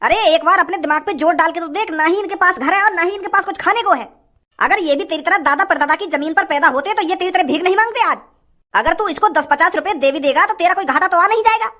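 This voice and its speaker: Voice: extremely high pitch, fast, sharp tone. A performer voicing a brash, generous young rich man in a comedy skit, lecturing and boastful. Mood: scolding.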